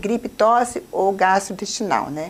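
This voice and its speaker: A woman speaks with lively intonation. Her pitch is medium. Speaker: TV health show host. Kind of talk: TV talk show interview.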